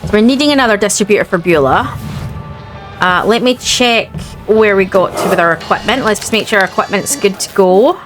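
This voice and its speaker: A Scottish woman hosting a let's play, gravelly and sniffly from illness, chatting and thinking aloud. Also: mid-range voice, brisk, music in the background. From Scotland. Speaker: gaming host.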